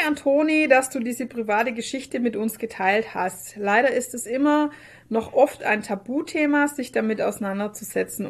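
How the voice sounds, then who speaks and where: A woman co-hosting a podcast in casual, chatty, expressive conversation. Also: on the high side. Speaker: podcast co-host.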